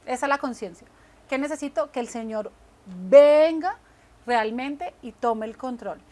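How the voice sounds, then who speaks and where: A woman's voice: high-pitched, unhurried, dark tone. A woman, co-hosting a Christian talk show, speaking earnestly about faith and often asking "right?" to check in. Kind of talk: faith-based casual conversation.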